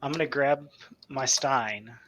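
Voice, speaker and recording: A man talks casually as a player in a tabletop game. His voice sits at an average pitch for a man. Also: a little slow, background noise.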